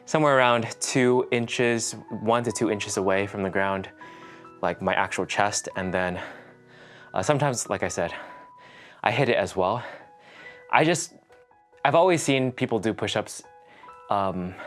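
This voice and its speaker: A man hosting a fitness vlog, chatting casually and thinking aloud in a rambling way. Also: on the low side. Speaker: host of a fitness challenge vlog. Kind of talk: casual chat to the viewer.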